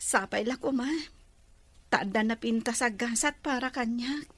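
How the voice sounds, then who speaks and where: A woman's voice: a little high, moderate pace, natural voice. A woman with an Ilocano accent playing a young, sweet and forgiving daughter in a sentimental drama. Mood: hopeful, affectionate. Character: young college-age daughter, wounded but sweet and forgiving. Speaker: voice actor in an audio drama. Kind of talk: sentimental radio-style drama acting.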